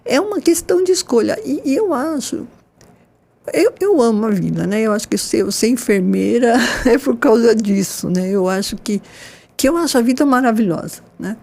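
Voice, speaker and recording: A woman in her sixties, a nurse, talking warmly and expressively in a casual panel conversation. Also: a little high, moderate pace, gravelly. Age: 60s. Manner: enthusiastic, expressive, with frequent "né?" tags. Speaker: nurse and guest.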